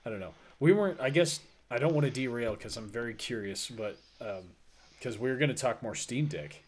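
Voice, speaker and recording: A man's voice: medium pitch, a little fast. A man in a casual group podcast chat, laid-back and swearing casually.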